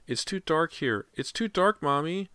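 A man's voice: on the high side, animated, pushed and bright, smooth, no echo, voice pushed up. A man voicing a small frightened boy who pleads in a tiny, thin, plaintive voice in an audiobook story. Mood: frightened pleading. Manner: slow plaintive begging.

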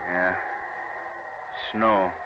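An actor playing an earnest, resolute American wheat scientist in a 1940s radio drama. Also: male voice, low voice, little pitch movement, very slow, very noisy. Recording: muffled old radio recording.

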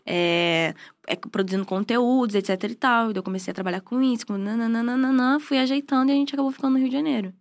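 A woman's voice: a little high, quick pace. A woman in her twenties from southern Brazil with no regional accent, chatting as a podcast guest and telling stories with frequent restarts. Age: 20s. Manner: chatty, storytelling, trailing restarts. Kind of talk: casual interview chat. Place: podcast studio.

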